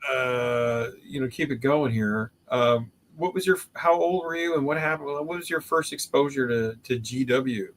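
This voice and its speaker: A man in his fifties, from Canada, hosts a podcast with loose, casual chat. He rambles through his stories and swears and jokes freely, his voice sitting at an ordinary mid pitch. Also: moderate pace, hardly any pauses, a little hiss or hum. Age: 50s. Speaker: podcast host.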